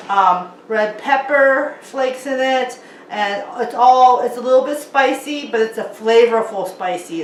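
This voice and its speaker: A woman's voice: on the high side, a little hiss or hum. Chatty woman teaching cooking, roomy sound. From South Korea, raised in the United States. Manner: chatty, keeps checking in with "okay?". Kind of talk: casual cooking lesson to camera. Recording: roomy sound from a distant mic.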